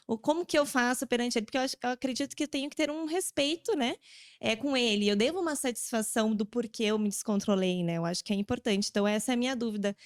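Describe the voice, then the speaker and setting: A woman's voice: on the high side, dry recording, studio quality. A woman asking a parenting question, hesitant and searching for words. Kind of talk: casual question.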